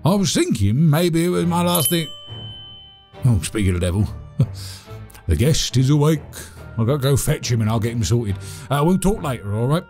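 An actor playing a chatty, cagey British servant in an audio drama, speaking in a halting, colloquial, animated way. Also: male voice, mid-range voice, soft background music. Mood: sly, chummy. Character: chatty, cagey servant man, obsequious yet scheming. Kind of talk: audio drama monologue and dialogue.

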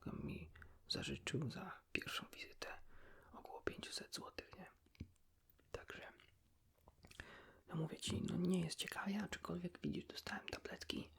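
A man speaking in a hushed, breathy whisper, chatting casually and confidingly as if to a friend in an ASMR style. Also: high voice, measured pace, long pauses. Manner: colloquial, rambling, ends phrases with a tag question. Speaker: ASMR creator talking to the listener as a friend.

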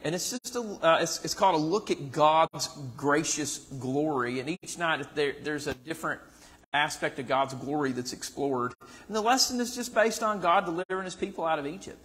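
A Southern US man in his thirties teaches a casual Bible study in a church sanctuary, using many fillers and restarts. His slightly high, fairly bright voice moves at normal speed, captured in low quality by a far camera in the pews.

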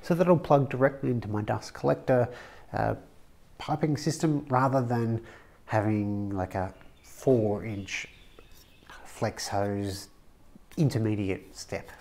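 A man, talking casually and practically about a workshop project, recorded in a brick-walled home workshop. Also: lowish voice. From Australia. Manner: chatty, practical, wry asides. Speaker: woodworking channel host. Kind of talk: casual how-to vlog.

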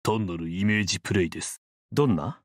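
An actor playing a stoic young male warrior in a visual novel, formal, deadpan and unemotional. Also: deep voice, rapid-fire, no room sound, clean studio sound, close to an everyday voice.

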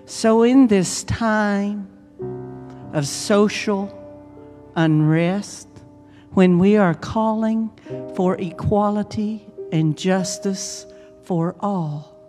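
Female meditation guide, soothing and deliberate, extremely unhurried, with instrumental music underneath. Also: medium pitch. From United States. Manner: hushed, soothing, deliberate phrasing with long pauses. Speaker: minister leading a guided meditation. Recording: long reverb, music behind.

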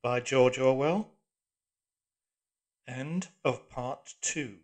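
A man narrating a literary novel as an audiobook in a measured, solemn manner. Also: mid-range voice.

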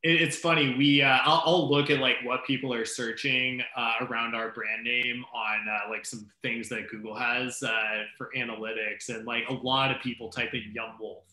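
Man with a bright voice in an echoey room. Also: mid-range voice, moderate pace, hardly any pauses. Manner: relaxed, friendly, many "uh"s. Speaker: guest, company CEO. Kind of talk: casual video-call interview. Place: small room at home. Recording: echoey room on a video call.

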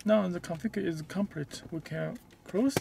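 A man with a high voice and a creaky edge walks through a product setup very slowly. He is not a native English speaker and talks in short, halting, simple phrases, like a hands-on tutorial recorded in a car. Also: background noise. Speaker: product demonstrator. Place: inside a parked car.

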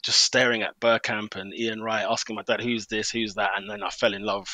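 Guest, thirties man, rapid bright delivery, animated storytelling, dry mic. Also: fairly low pitch, dry recording. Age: 30s. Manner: quick, animated storytelling with laughs. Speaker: stadium announcer, guest. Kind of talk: conversational interview.

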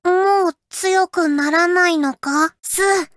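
A woman's voice: extremely high pitch, slow pace, fairly bright tone, no echo, full character voice. A woman voicing a small wild hunter girl who talks in clipped, simple phrases and calls herself by name in a game. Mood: eager. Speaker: voice actor. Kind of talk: game voice clips.

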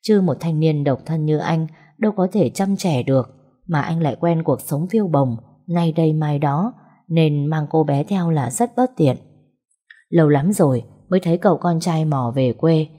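Woman storyteller, low and husky, mellow, steady late-night narration. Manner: steady, measured reading.

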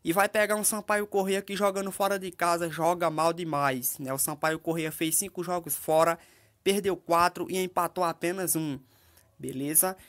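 A man's voice: fairly high pitch, normal speed. A man with a Brazilian accent giving football betting tips in a casual voice-over. He lists odds and picks one by one, often checking in with the listener through tag questions. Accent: Brazilian Portuguese. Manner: ends phrases with tag questions to the audience; steady, methodical listing of odds and picks.

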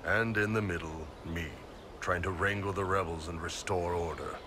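A man voicing a huge horned mercenary spy in a video game, gruff and wry, blunt and laid-back, with a deep gravelly voice. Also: steady tone, unhurried, background noise. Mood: weary, blunt. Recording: game audio with clear background ambience.

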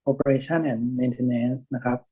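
A man in a relaxed lesson, explaining an article slowly and thinking aloud with many pauses and fillers. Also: medium pitch, a little hiss or hum. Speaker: lecturer reading an article with students. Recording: dull lo-fi recording.

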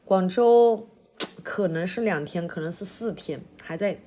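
A woman hosting a livestream, chatting casually with viewers between songs, her throat feeling blocked and a little hoarse. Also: fairly low pitch, warm tone, slight background noise. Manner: sings then chats quickly to viewers, self-deprecating. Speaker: livestream host. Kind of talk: casual livestream chat and singing.

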